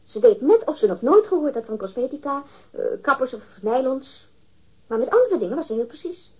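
A woman's voice: sits high, sing-song, brisk, slightly rough, full character voice. An actress in a radio drama playing a catty, defensive woman witness, disdainful and emphatic as she gossips. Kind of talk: acted radio drama dialogue. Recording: dull, muffled lo-fi radio recording.

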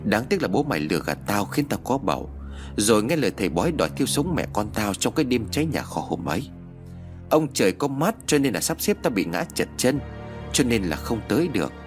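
A man's voice: lowish voice, sing-song, a little fast, faint music behind. A man voicing a scheming, vengeful older village woman who taunts and gloats in a spoken story. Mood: taunting.

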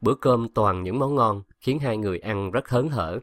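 A man reads a fantasy novel aloud in a lowish voice, keeping his delivery steady and even. The sound is dry and close, with no room around it. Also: moderate pace, no room sound. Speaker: audiobook narrator. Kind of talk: scripted narration of a web novel.

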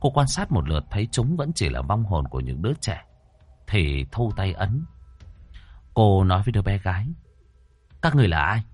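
A man reading a ghost story aloud as a storyteller, in a dramatic, expressive style. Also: low-pitched, moderate pace, husky. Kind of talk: scripted ghost-story narration.

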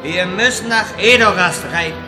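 A man's voice: high voice, normal speed, over music, close to an everyday voice. A man playing a pompous, touchy white wizard in a comedic fantasy audio drama, grandiose and slipping into petulant slang.

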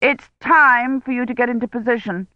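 A woman's voice: fairly high pitch, fairly even intonation, normal speed, no room sound, voice pushed up, natural voice. A woman reading a novel aloud, voicing a stiff, officious male project director who speaks in a curt, condescending way. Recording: dry, slightly dull lo-fi recording.

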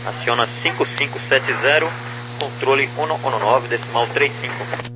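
Male Brazilian controller, procedural and clipped, medium pitch, noisy crackling aviation radio. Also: moderate pace. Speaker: air traffic controller. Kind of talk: radio clearance phraseology, spelling with phonetic alphabet. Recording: noisy, humming air-band radio transmission.

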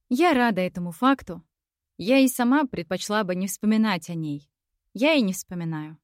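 Female audiobook narrator, mid-pitched, wry and reflective first-person read, dry booth sound. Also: no echo.

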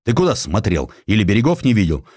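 A male narrator voicing a bullying provincial governor, a former sailor, gruff, stern and sarcastic. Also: on the low side, very animated, fast, a little mellow, no echo. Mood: stern scolding.

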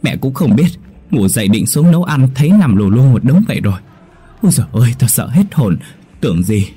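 A man's voice: normal speed, darkish tone, husky, faint music behind. A man voicing a frightened, nagging old village wife who scolds her husband, in a spoken ghost story. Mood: scolding. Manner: scolding, shrill calling out.

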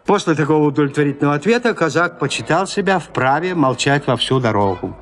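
Guy narrating an old classic story for a radio play, fairly high voice, careful and expressive, faint music in the back. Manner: measured, expressive literary reading.

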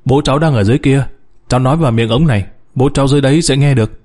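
Guy doing a rescue boss in a story, brisk, urgent, kindly, mellow voice. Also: medium pitch, lightly acted. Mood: encouraging. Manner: urgent, directing.

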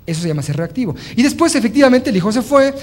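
Speaking rapid-fire in an extremely high voice, a motivational speaker gives a talk on leadership. He tells stories with animation, acting out the dialogue, and his delivery is full of fillers and restarts.

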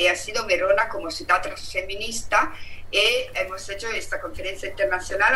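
Italian-accented woman, halting, bright voice. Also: fairly low pitch. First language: not Spanish. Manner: halting, many fillers and restarts. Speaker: activist speaker. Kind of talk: talk at an online meeting. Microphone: video call. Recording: distant mic with faint hiss.

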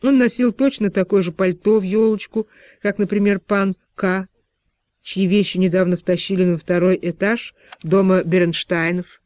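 A man narrating an audiobook in a measured, even literary reading. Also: sits high, no room sound, lo-fi sound.

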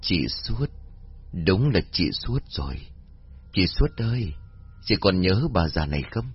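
A man's voice: deep voice, sing-song, a little slow, husky, full character voice. A man voicing the ghost of an old woman speaking through a corpse, accusing and mournful. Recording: dull lo-fi audio, faint music.

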